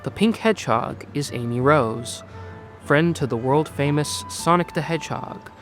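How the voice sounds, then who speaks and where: A man's voice: a little high, unhurried, fairly bright tone. A man reading scripted third-person story narration for an audio drama. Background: music under the voice.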